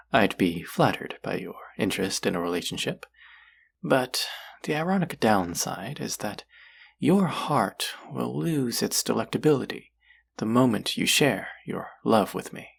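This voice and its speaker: A man's voice: lively intonation, unhurried, exaggerated voice. A man voicing a possessive, seductive demon in an intimate audio roleplay, teasing and menacing, often dropping to a whisper. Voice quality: low, husky, gravelly. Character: possessive, seductive demon who craves human hearts.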